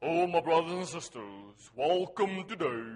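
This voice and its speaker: A man uses a put-on character voice. He speaks at a moderate pace with a high pitch. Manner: solemn, pulpit-like.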